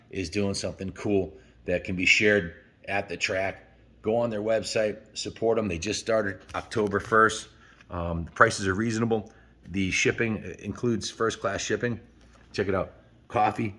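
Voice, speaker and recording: A man's voice: on the low side, pushed and bright. A man with a folksy, enthusiastic manner hosts a story time, chatting casually and reading aloud to his viewers. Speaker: host of a story time show.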